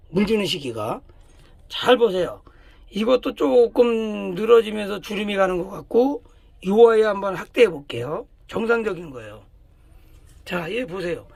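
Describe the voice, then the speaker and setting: A man talks through plant care in a relaxed, hands-on demonstration. His voice sits high and a little husky, and the recording is close and dry. He hammers key words by repeating them and drifts into plain, informal speech. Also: no echo. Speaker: plant grower explaining care.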